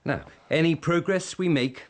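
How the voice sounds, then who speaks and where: A man's voice: fairly high pitch, normal speed, natural voice. A man playing a guarded crown prosecutor who answers stiffly and evasively. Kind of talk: radio drama acting.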